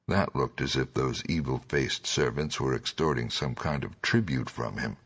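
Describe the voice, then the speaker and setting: Horror audiobook narrator: male, extremely deep, gravelly and husky, forceful edge. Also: normal speed. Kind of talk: scripted horror story narration.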